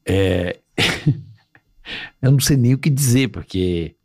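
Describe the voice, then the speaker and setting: Hesitant podcast host. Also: male voice, medium pitch, animated, slow, creaky. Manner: hesitant, repeats words while thinking. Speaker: podcast host, former radio presenter. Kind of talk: casual chat.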